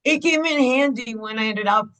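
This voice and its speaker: A woman speaks as a podcast guest, her voice bright and forward. She tells her story candidly and at an unhurried pace. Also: a little high. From Ukraine. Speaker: guest, clinic owner. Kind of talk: podcast interview.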